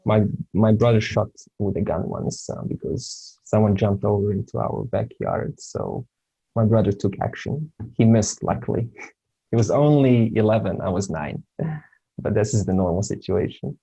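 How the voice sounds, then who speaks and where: A man's voice: fairly low pitch, normal speed, vocal fry, dark tone, breathy edge, poor audio. A Serbian-born man whose first language is Serbo-Croatian, giving an informal lesson in a hesitant way, with many fillers and restarts. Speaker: spiritual teacher.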